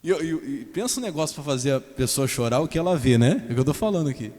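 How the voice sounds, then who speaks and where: A Brazilian pastor with a high voice preaches to his congregation, throwing out questions for them to answer back. His voice carries through a church hall with a long echo. It is heard from inside a live service. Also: lively intonation, fast talker, darkish tone. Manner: call-and-response rhetorical questions. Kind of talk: evangelical sermon.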